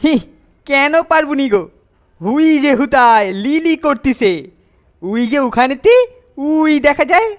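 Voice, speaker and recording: A man's voice: very high voice, expressive, unhurried, long pauses, slight background noise. A man voicing a rustic village boy in a children's cartoon, with a rural Bengali accent. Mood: cheerful, pointing. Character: rustic village boy giving vague directions.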